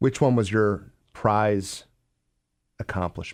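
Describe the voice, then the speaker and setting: A man with a South Jersey accent is heard on a very clean recording with a silent background. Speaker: radio host. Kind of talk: radio interview.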